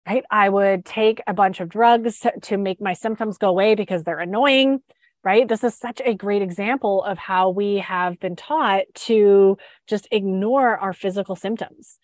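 A woman's voice: mid-range voice, moderate pace, dry recording, studio quality. A woman hosting a podcast and live stream as a sugar freedom coach, chatty and upbeat, with a stuffed-up head cold. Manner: upbeat, chatty, with fillers and restarts. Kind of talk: casual live-stream talk.

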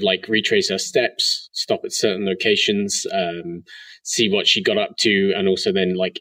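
A man's voice: fairly low pitch, sharp tone, no room sound, distant mic. A man co-hosting a casual podcast chat through a muffled mic that sounds like a tin can, with lots of "like" fillers. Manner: chatty, many "like" fillers. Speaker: co-host.

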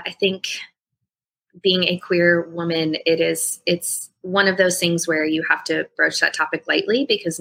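A woman's voice: on the low side, gravelly, bright, forceful tone, husky, rough recording. A woman in her thirties from Ohio, a podcast guest answering questions in a candid, reflective way with many fillers. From Ohio, United States. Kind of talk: interview answers.

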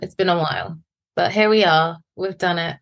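A woman born in Guyana and raised in England, co-hosting a casual podcast chat in a relaxed way, quick to laugh. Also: lowish voice. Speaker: podcast co-host.

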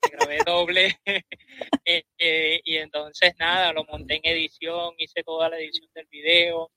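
A man speaks as a guest on a live interview, hesitating often and pausing on fillers. His voice is very bright and fairly high. The sound is dry, with almost no room. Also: flat delivery, no echo, poor audio. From Venezuela. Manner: hesitant, many fillers, laughs. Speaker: guest musician.

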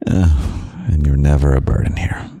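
Man, soft-spoken comfort host, husky breathy half-whisper, dark mellow tone. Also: extremely low pitch, dry recording. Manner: gentle, slow and half-whispered, with soft chuckles. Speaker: podcast host. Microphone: close microphone.

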